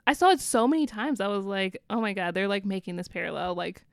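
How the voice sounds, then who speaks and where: A woman's voice: mid-range voice, animated, fast talker, vocal fry, smooth, no echo, studio quality. A woman from the American South with a Southern accent, co-hosting a casual book podcast, chatty with frequent laughs. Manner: chatty, laughs often, many fillers.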